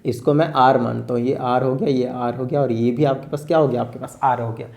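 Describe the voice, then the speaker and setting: A man's voice: medium pitch, steady tone, creaky, a little mellow. A man teaching a maths lesson at speed, often asking the students whether they follow. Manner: fast-talking, asks rhetorical check questions.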